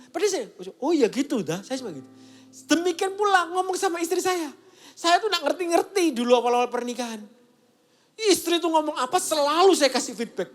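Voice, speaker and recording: A male pastor giving a casual, conversational sermon and acting out the voices he quotes. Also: very high-pitched. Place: church service broadcast.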